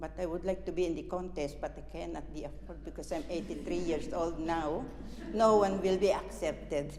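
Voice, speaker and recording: A woman's voice comes through audible room echo and noticeable background noise. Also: moderate pace. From Philippines. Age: 80s+. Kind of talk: personal testimony.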